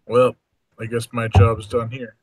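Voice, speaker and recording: A man in his mid twenties co-hosting a casual watch-along, playful and teasing with quick wisecracks. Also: mid-range voice, monotone, darkish tone, slight background noise. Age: 20s. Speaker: co-host.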